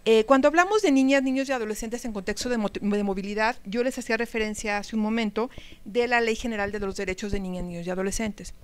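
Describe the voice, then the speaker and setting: At a teacher training talk, a woman gives a live lecture to teachers in a conversational way, posing questions to the audience. Her voice is a little high, fast, and smooth.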